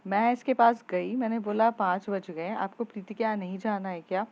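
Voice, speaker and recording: A woman's voice: mid-range voice, fairly even intonation, brisk, creaky, lo-fi sound, lightly acted. A woman voicing a scolding but affectionate mother of a teenage girl, in a storybook reading. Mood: chatty.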